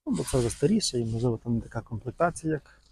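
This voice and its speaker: Guy walking a car lot outdoors, gravelly low-key voice, chatty and rambling. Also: animated, racing, dark tone, a little hiss or hum, rough recording. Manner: chatty, fond of diminutives, loose and rambling. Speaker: vlogger showing cars for sale. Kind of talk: casual walk-around commentary.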